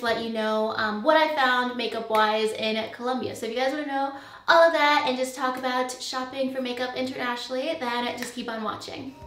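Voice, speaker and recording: A woman's voice: on the high side, a bit bright, far from the mic. Chatty young woman in an echoey room. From USA. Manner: chatty, many fillers like "um" and "like". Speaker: beauty vlogger. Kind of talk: casual chat to camera. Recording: echoey room, voice slightly off-mic.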